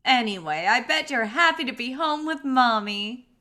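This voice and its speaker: A woman playing a brisk, syrupy television news reporter in a screenplay table read, with a polished presentational delivery. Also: sits high, lively intonation, bright, forceful tone. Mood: probing, syrupy.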